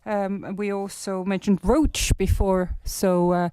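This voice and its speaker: A man with an Estonian accent, hoarse today, giving a research presentation in a halting way with many filler sounds. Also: sits high, level tone, a little mellow, no room sound. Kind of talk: conference presentation.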